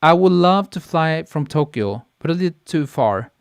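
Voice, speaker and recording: Relaxed man chatting on a live stream. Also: a little high, moderate pace, gravelly, smooth, no room sound, studio quality. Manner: relaxed, chatty, laughs easily, reads comments aloud. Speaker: photographer hosting a live stream. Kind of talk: casual live-stream chat reading viewer comments. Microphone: podcast mic on a boom arm.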